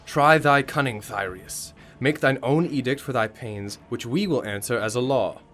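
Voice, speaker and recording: A man acts a cold young Roman ruler in a Shakespearean audio play. His voice sits in a middle register and gives orders with measured, calculating authority. Music plays behind him. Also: medium pitch, a bit bright, natural voice. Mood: scheming, commanding. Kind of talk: Shakespearean audio drama acting.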